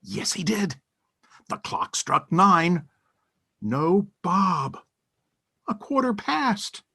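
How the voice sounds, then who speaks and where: An actor narrating a Christmas tale as an emphatic storyteller, with dramatic pauses and theatrical delivery. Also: male voice, high-pitched, big pitch swings, gravelly, bright, forceful tone, husky, heavily acted. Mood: sly relish.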